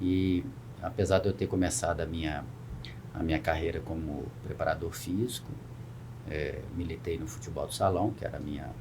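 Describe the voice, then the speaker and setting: With a very deep, low pitch and ordinary pitch variation, a man speaks with long, frequent pauses. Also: moderate pace. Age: 60s. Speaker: sports manager. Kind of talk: podcast interview. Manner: halting, many fillers.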